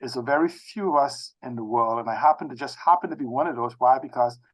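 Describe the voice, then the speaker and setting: A man in his sixties from the Bahamas with a Bahamian accent, talking as an interview guest in a halting, circling way with repeated phrases. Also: mid-range voice, low-quality recording. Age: 60s. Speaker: interview guest, technology expert. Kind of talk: conversational autobiographical interview talk.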